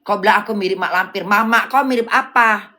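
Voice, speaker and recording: A woman's voice: medium pitch, a little fast, sharp tone. A woman hosting a casual livestream, blunt and scolding, often firing off rhetorical questions. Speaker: livestream host.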